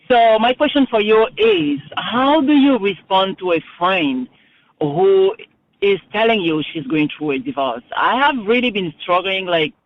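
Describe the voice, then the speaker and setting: Earnest woman calling in. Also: medium pitch. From Cameroon. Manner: earnest, searching, restarts her phrases. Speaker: caller. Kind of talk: recorded call-in question. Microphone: phone. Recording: dull lo-fi phone line.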